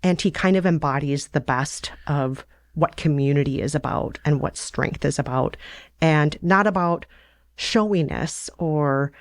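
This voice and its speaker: A woman chatting reflectively and conversationally as a host on a relaxed bedtime podcast. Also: sits low, measured pace, dry recording, clean studio sound.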